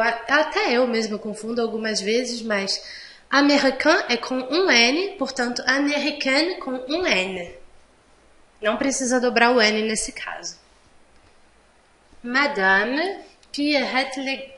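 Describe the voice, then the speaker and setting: Woman teacher going thru french examples slowly, kinda high voice, echoey room. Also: pushed and bright. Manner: slow, patient explaining; mixes Portuguese explanations with French examples. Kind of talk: online language lesson.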